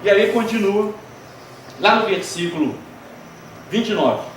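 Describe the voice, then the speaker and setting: A man's voice: sits high, animated, measured pace. A man with a Brazilian Portuguese accent giving a talk at a spiritist center, speaking conversationally, asking the audience questions and telling humorous anecdotes. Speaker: spiritist lecturer. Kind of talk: lecture to an audience. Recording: echoey hall, distant mic, faint noise.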